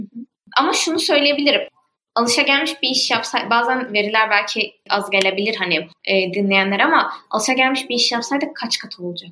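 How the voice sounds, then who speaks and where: A woman at a fairly high pitch, fairly quick, with lively intonation and a bright, sharp tone. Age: 20s. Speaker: startup founder. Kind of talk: interview.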